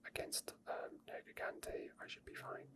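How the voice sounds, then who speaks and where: A gaming streamer speaks entirely in a soft, breathy whisper. The delivery is ASMR gameplay commentary, walking the listener through each action as it is done. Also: moderate pace. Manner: explains each step as it is done. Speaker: video game streamer.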